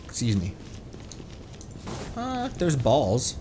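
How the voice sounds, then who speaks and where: Animated man streaming a video game. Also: medium pitch, very slow, noisy background. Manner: playful, exclamatory, muttering to himself. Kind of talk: casual live game commentary. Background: video game music.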